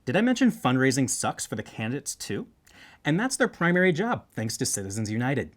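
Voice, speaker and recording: A man's voice: mid-range voice, sing-song, brisk. A man hosting a conversational political comedy show, interviewing with wry quips. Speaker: talk show host.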